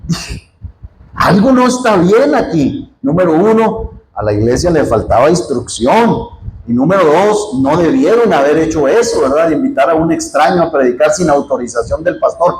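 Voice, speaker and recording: A man preaches to his congregation, his voice pitched fairly high. He tells his story with animation, acts out the dialogue and keeps calling his listeners "hermano". The church sounds roomy and echoey, with faint ambience behind him. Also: expressive, moderate pace, a little mellow, a little hiss or hum. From Mexico. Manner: addresses the congregation often as "hermano". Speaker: pastor. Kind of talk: sermon with personal anecdote.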